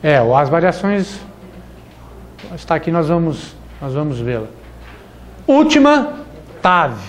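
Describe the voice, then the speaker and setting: Male hebrew teacher in a classroom, talks slow with a high voice, keeps repeating words. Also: very animated. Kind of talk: classroom lecture.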